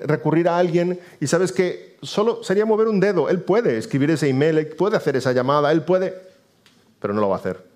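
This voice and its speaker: A man preaching a sermon, swinging between emphatic raised lines and hushed low endings. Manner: dramatic swings between emphatic rises and quiet low drops.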